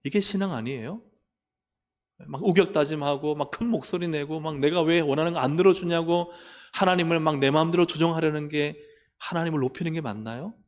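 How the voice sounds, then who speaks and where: A man's voice: a little high, brisk. A male pastor preaching a sermon. He keeps asking the congregation questions and acts out complaining prayers in a raised voice. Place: church sanctuary. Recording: long reverb of a church hall.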